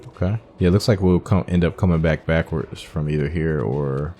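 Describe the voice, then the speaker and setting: A man's voice: very deep voice, moderate pace, warm tone, soft background music. A man giving casual let's-play commentary on a video game, musing aloud as he talks through each step. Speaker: gaming streamer playing through a video game.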